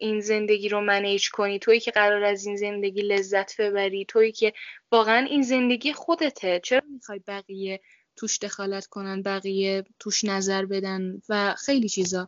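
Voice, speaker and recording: This woman has a plain, everyday voice at a medium pitch. She talks at a moderate pace with fairly even intonation. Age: 20s. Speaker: podcast guest. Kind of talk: casual chat. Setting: Skype call. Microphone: internet call audio, may be poor.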